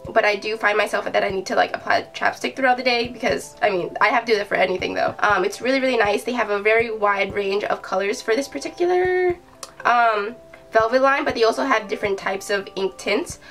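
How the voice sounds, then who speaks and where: A woman's voice: mid-range voice, fairly quick, creaky, a bit bright. A young woman with a nasal voice from a cold, chatting casually and enthusiastically as she reviews beauty products. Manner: chatty, enthusiastic, many fillers. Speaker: beauty vlogger. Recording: voice from a distance with faint music.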